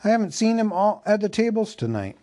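Man putting on loud jeering merry elves. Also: high voice, very animated, fairly quick, voice pushed up. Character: merry tipsy male elves, rowdy and jeering. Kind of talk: audiobook character voice.

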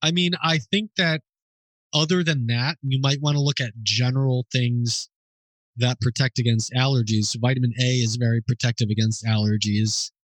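Male host, mid pitch, dry close sound, informal unscripted Q&A delivery, hesitant and thinking aloud. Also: steady tone, moderate pace, dry recording, rough recording. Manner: thinking aloud, hesitant, with fillers and self-corrections; informal and explanatory. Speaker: host answering listener questions. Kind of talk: unscripted question-and-answer.

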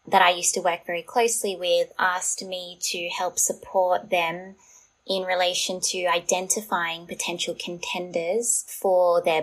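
A woman's voice: on the low side, fairly bright tone, breathy edge, low-quality recording. An Australian woman, a startup founder, candidly telling her life story as a podcast guest in a thoughtful, reflective way. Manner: thoughtful, candid, laughs lightly at times.

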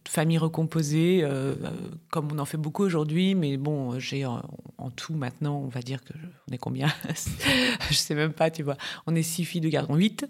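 Chatty Parisian woman lawyer. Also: low voice. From Paris, France. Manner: chatty and lively, quick asides, frequent laughs. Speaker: business tax lawyer, podcast guest. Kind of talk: casual interview chat.

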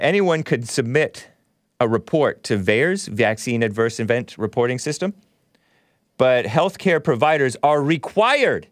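A man in his thirties hosts a casual call-in talk show. His voice sits at a medium pitch, recorded dry with very little room sound. He speaks bluntly, in relaxed slangy phrasing. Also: no echo. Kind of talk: casual call-in commentary and caller chat.

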